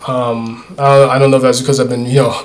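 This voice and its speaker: A man with a fairly high pitch. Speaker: vlogger. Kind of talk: casual monologue. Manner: hesitant, many fillers. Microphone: poor mic quality.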